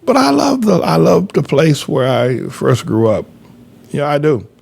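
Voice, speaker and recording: A man's voice: a little high, wildly swooping pitch, unhurried, gravelly, darkish tone. An older man from North Carolina, preaching in an emphatic, repetitive, folksy way as a pastor giving commentary. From North Carolina, USA.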